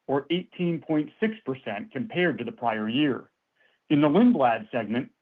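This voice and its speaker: A man with a fairly high voice delivers a scripted financial report as a company finance executive. He sounds formal and businesslike. The audio is narrow and phone-like. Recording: thin, tinny phone-line audio.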